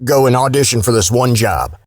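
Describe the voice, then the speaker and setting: A man's voice: medium pitch, lively intonation, fairly quick, a little mellow, clean studio sound. Male podcast guest, middle register, frank and opinionated, conversational, no room echo. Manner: blunt, opinionated. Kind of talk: casual interview chat.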